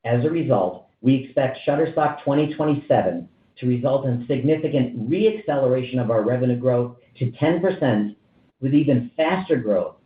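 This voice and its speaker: A man in the role of a chief executive gives a formal, measured reading of prepared remarks on an earnings call. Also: medium pitch. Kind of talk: scripted earnings call presentation. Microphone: conference call phone line. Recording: tinny, echoey conference phone line.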